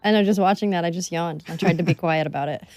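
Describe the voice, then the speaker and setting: A woman who acted in a video game, commenting in a relaxed, giggly way. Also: on the low side, fast talker, dry recording. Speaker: voice actress. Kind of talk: developer commentary.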